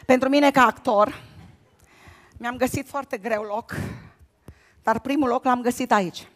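A comic actress doing a lively stand-up monologue on a gala stage, telling a story with sudden shouted bits. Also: female voice, fairly high pitch.

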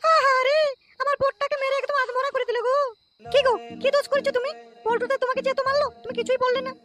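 Very shrill, squeaky cartoon wife. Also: female voice, level tone, quick pace, over music. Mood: fretful. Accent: West Bengal. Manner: shrill, melodramatic. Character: fretful village wife, loudly protective of her husband. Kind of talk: comedy cartoon voice acting.

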